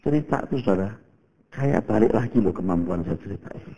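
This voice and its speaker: A man in his fifties from Indonesia preaching a sermon as a pastor, telling stories in a casual, animated way and calling the congregation "saudara". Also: lowish voice, quick pace, husky, dull audio. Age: 50s. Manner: animated storytelling, shifts between loud exclaims and hushed prayer.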